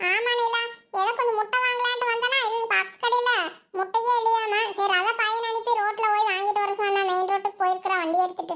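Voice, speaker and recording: A woman performs a cartoonish character voice at an extremely high pitch. Her loudness stays very even and her pace is moderate. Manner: chatty, unhurried.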